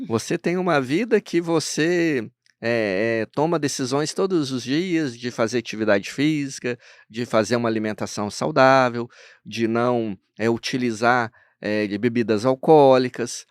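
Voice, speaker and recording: A man's voice: medium pitch, moderate pace, clear, resonant tone, no room sound. A Brazilian therapist hosting a podcast conversation, speaking in a mid-range voice that sits close and dry in the mic. He explains patiently and keeps checking in with his listener. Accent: Brazilian Portuguese. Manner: explanatory, frequent "né?" tag questions. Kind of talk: conversational interview.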